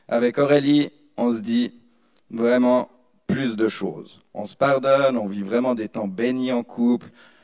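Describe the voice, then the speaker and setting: A man at medium pitch with ordinary pitch variation, with music in the background. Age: 20s. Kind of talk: testimony.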